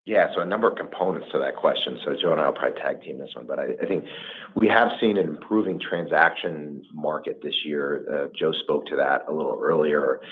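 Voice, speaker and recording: A man's voice: rumbling low, fairly quick. A male company executive giving hesitant, careful answers on an earnings call over a phone line. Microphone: conference call line. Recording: tinny narrow phone line.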